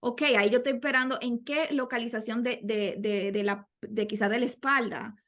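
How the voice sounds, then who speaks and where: A woman's voice: fairly high pitch, fairly even intonation, normal speed, fairly bright tone. A woman co-hosting a podcast, adding to exam tips in a conversational way and thinking aloud with many fillers and restarts. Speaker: podcast co-host.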